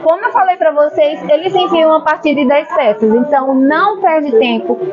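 Gushing high-voiced Brazilian woman in a shop. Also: moderate pace. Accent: Brazilian Portuguese. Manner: gushing, keeps calling viewers "minha gente". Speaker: vlogger showing a clothing wholesaler. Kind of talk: enthusiastic sales vlog. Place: clothing shop, indoors. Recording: slightly muffled, busy market crowd behind.

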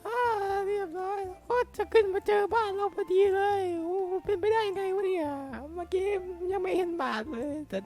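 Very high, squeaky young game hero: excitable, easily startled, cursing. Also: male voice, fairly quick, few pauses, faint music behind. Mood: excited. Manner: excitable, yelps and curses when startled. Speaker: game caster. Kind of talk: playing and narrating a block-building game in a put-on voice.

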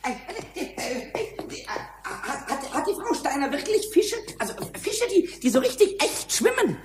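A man voicing a small, cheeky kobold in a children's audio play, squeaky and stammering excitedly over his words. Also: measured pace, music in the background, full character voice. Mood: excited, boastful. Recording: faint noise of old vinyl record.

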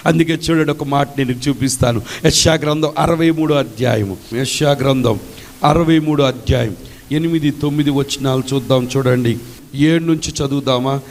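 A male pastor preaching a sermon, swinging between shouted, sung exclamations and soft, tender speech. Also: mid-range voice, normal speed.

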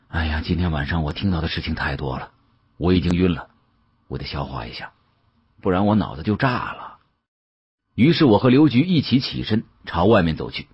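A man narrating an audiobook as dramatic first-person storytelling, expressive and theatrical, with colloquial asides. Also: low-pitched, slightly rough, dry recording, lo-fi sound.

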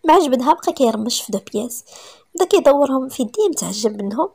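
A Moroccan woman storyteller reading aloud in a brisk, lively way. Her voice sits high and quick, with a gravelly, husky texture throughout. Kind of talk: read-aloud story narration.

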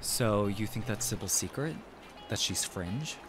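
A man's voice: lowish voice, lively intonation, measured pace, over music. A man playing an easygoing, chatty friend who likes to speculate, in an audio drama. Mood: speculating.

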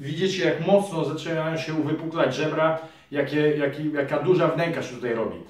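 A man's voice: a little high, a little fast, far from the mic. Man explaining an exercise in an echoey room. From Poland. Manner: calm, explanatory, addresses viewers directly. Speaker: physiotherapist and trainer. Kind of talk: fitness tutorial to camera. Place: small room in front of a curtain. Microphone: camera mic from across the room.

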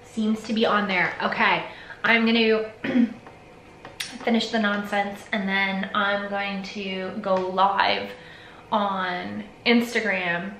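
A woman's voice: medium pitch, a bit bright, echoey room, a little hiss or hum, low-quality recording. A woman in her forties vlogging casually from her nail studio, rambling and self-deprecating as she talks to the camera. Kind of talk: casual vlog chat. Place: home nail studio with shelves of polish.

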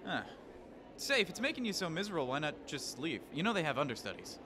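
A young man acting a cocky, theatrical high school boy playing Romeo, flippant and melodramatic, in a comedic audio drama. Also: big pitch swings, fast, background noise. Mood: eager, scheming. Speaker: actor.

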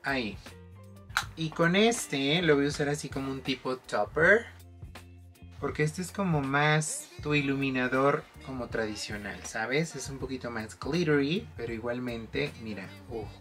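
A man's voice: medium pitch, measured pace, a bit bright. A man talking casually through a makeup tutorial, chatty and affectionate, with faint music behind. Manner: chatty, affectionate, mixes in English phrases. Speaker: makeup vlogger.

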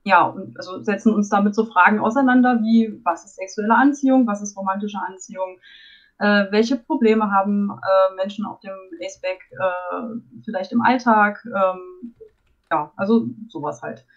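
A woman's voice: mid-range voice, moderate pace. A woman in her forties from Saarland, Germany, chatting casually as a podcast member. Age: 40s. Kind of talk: casual group chat. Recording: dull, lo-fi voice chat.

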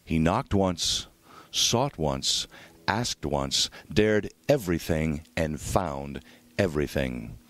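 A man's voice: very deep voice, animated, slow, fairly bright tone, dry recording. A man reading a devotional sermon aloud in a solemn, dramatic, oratorical manner. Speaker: reader of a devotional book.

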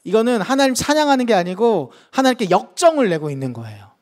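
A man preaching a sermon as pastor, telling the story in a lively way and acting out the voices of the people in it. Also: high-pitched, fast talker.

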